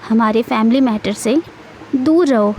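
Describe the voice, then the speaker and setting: A woman's voice: fairly high pitch, unhurried, darkish tone, a little hiss or hum, voice pushed down. A woman voicing a hurt young mother who answers back sharply, in her own narrating voice. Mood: angry.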